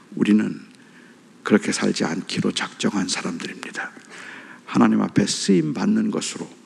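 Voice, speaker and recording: Noticeable noise fills the background as the speaker stops often for long pauses. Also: man, moderate pace. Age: 60s. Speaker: pastor. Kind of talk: sermon. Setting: church retreat service.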